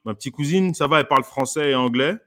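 A man's voice: medium pitch, fast talker, bright, forceful tone. A man, a comedian guest, talking casually with frequent fillers and restarts. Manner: hesitant, many fillers and restarts, laughs often. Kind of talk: casual conversation.

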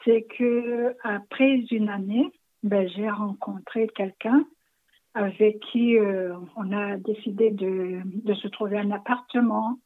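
A woman in her fifties from Rwanda, answering interview questions softly and hesitantly, with many pauses. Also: mid-range voice, steady tone. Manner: soft-spoken, hesitant with frequent pauses. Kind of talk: personal interview. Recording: narrow phone-like audio.

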